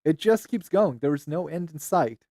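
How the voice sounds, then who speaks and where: A man with a slightly high voice hosts a casual stream chat. He mutters while fiddling with his screen. The mic is close and dry. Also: expressive, normal speed, mellow, no room sound. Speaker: streamer host.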